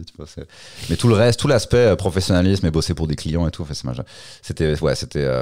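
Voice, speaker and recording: Very deep and low, this man's voice has a dark, mellow tone. The recording is very clean with a silent background. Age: 30s. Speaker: stand-up comedian. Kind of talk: casual chat. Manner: fast.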